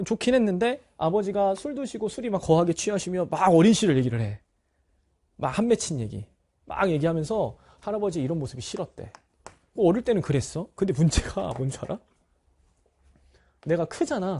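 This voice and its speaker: A man's voice: high-pitched, mellow, husky. A middle-aged male teacher talking candidly to his students, telling a personal family story and speaking straight to them. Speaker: Korean language teacher. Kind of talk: talk to students.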